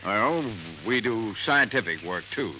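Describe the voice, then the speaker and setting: An actor playing a gruff, defensive black-sheep carnival roustabout in a golden-age radio drama, blunt and informal. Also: male voice, fairly low pitch, animated, measured pace. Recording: dull, noisy old radio recording.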